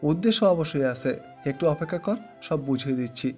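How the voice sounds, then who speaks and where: A man's voice: a little high, lively intonation, fairly quick, darkish tone, natural voice. Man acting a menacing, commanding mafia boss. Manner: threatening, commanding. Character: menacing mafia boss, protective older brother. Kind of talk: Bengali audio story voice acting. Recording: music under the voice.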